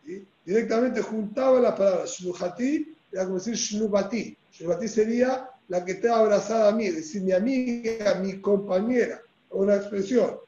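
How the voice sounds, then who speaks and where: A man's voice: sits high, moderate pace, warm tone. A man with a Rioplatense Spanish accent teaching a Talmud lesson, explaining step by step and checking in with his listeners as he goes. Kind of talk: religious text lesson. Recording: echoey room, dull lo-fi sound.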